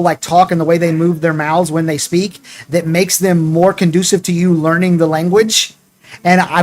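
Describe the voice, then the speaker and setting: A man hosting a gaming podcast, chatting in a rambling way with restarts and laughing at himself. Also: sits high. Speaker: streamer and podcast host. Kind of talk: casual gaming podcast chat.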